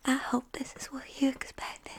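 A woman in an intimate adult audio roleplay, speaking in a breathy, often whispered voice with a sensual, coaxing delivery. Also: moderate pace. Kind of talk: erotic audio roleplay, intimate address to listener.

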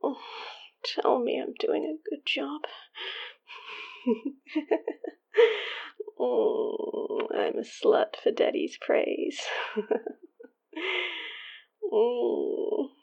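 A woman whispering an intimate roleplay in a breathy, sighing way, with soft laughs. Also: on the high side, drawn-out words, pauses often, lo-fi sound. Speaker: audio roleplay performer.

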